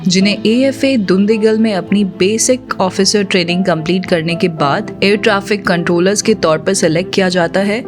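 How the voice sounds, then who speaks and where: A woman presenting a scripted informational video, speaking in a steady, informative way with many English terms mixed in. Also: mid-range voice. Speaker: channel presenter. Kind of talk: scripted explainer narration.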